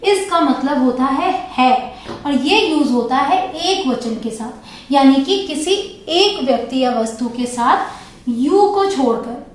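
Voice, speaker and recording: A woman teaching an English grammar lesson. She spells out each example slowly and repeats it, often ending with a check-in phrase. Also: high-pitched, lively intonation. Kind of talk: slow, deliberate grammar lesson. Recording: very echoey room.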